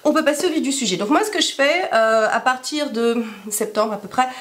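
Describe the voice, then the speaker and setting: Woman vlogger w/ a hoarse smoker's rasp, sounds sick, kinda high voice, chatty and rambly. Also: animated, a little fast. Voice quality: raspy smoker's rasp from illness. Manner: rambling, self-deprecating, full of asides. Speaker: YouTube vlogger. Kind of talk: casual chatty advice to camera.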